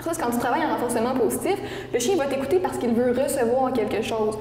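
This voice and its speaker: Woman, Québécois accent, dog trainer, patient explainer, higher voice, echoey room with long reverb. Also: fast talker, dark tone, a little hiss or hum. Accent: Québécois French. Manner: clear, patient explaining with everyday examples. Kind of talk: explaining training methods in an interview.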